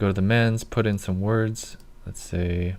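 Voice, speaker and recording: A man uses a normal speaking voice, fairly low in pitch, with fairly even intonation. The recording is very clean, with a silent background. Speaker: music software tutor. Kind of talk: tutorial. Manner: casual with filler words.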